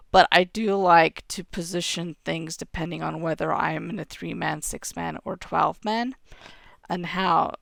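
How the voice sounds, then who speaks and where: A woman's voice: on the low side, no echo, studio quality. A woman in her thirties with a cough, hosting a game tutorial and explaining settings step by step into a headset mic from home. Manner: steady step-by-step explaining, clears throat now and then. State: has a cough. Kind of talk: screen-recorded game tutorial. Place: home room.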